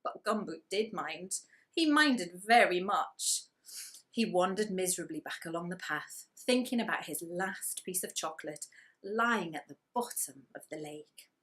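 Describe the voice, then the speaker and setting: A woman storyteller reads for young children in a bright, fairly low voice. Her delivery is animated and expressive, leaning on key words for dramatic effect. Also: measured pace. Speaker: storyteller reading to primary school children.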